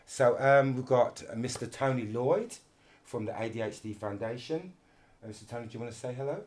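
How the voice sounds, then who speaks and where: A middle-aged man from London hosting a casual podcast, talking in an animated, restless way with many restarts and repeated words. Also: mid-range voice, brisk. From London, England. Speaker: podcast host.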